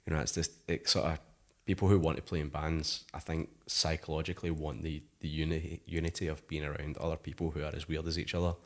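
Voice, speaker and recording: A Scottish musician in his thirties, guesting on an interview, rambles casually and fills his speech with "like." His voice is extremely low and flat, and he talks fast with hardly any pauses.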